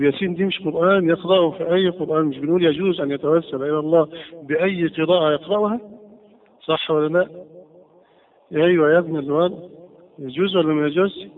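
An Egyptian man teaching a religious lesson, quizzing his class with repeated questions. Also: fairly high pitch. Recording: tinny lo-fi lecture recording.

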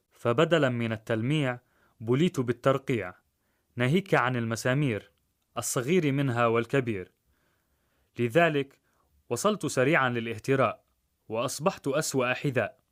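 A man narrating a rhymed story in a measured, rhythmic way. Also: medium pitch.

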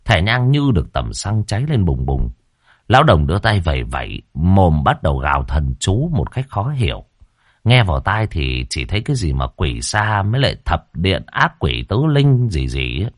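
A man narrating a ghost story in a vivid, lively way. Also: deep voice, moderate pace, dry recording, clean studio sound. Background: faint background music.

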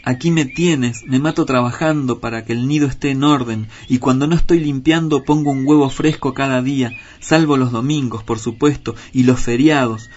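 A man voicing a fretful, indignant housewife crow in a storybook reading, with a shrill, tearful complaining manner. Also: darkish tone, natural voice. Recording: dull lo-fi with faint hiss.

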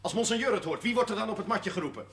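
An actor playing a stern, status-conscious Catholic parish priest who admonishes with dignity in a television period drama. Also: male voice, high voice, rapid-fire, vocal fry, a bit bright. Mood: indignant. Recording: faintly noisy old television soundtrack.

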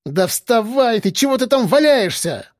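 A man's voice: very high-pitched, sing-song, a little slow, dry recording, studio quality, voice pushed up, heavily acted. Man putting on a screeching brash woman. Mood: yelling. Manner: screeching, indignant, yelling. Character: shrill brash quarrelsome woman.

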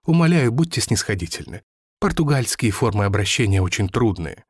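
A man reading an audiobook, voicing a courteous, apologetic Italian man abroad in a slightly lowered voice. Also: big pitch swings, brisk, breathy edge, no room sound, clean studio sound.

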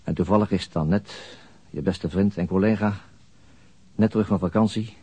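An actor playing a weary, haunted narrator in a radio crime drama, musing slowly and introspectively. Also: male voice, sits low, fairly even intonation, warm tone, no room sound. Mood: somber, bitter. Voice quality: husky, breathy. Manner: slow, introspective, halting monologue. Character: brooding, weary male narrator haunted by a murder.

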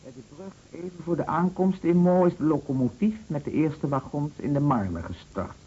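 An actor in a radio drama playing a jealous, scornful husband who talks in a sarcastic, insinuating way with emphatic repetitions. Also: male voice, on the high side, moderate pace, mellow, slightly rough. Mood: accusing. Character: bitter jealous husband, scornful and taunting, set on exposing lies. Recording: dull, noisy old radio play recording.

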